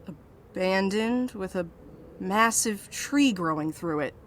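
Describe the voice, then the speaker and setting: A woman playing a cynical, sharp-tongued traveller in an audio drama, with a sardonic, profane way of talking. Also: medium pitch, animated, takes it slowly, roomy sound, in a large hall, slight background noise. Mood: wary.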